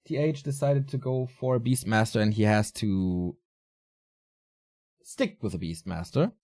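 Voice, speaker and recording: A man commentating a strategy game alone, casual and chatty, his voice a little raspy and tired. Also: lowish voice, unhurried, warm tone. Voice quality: casual, chatty delivery with fillers. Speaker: esports caster.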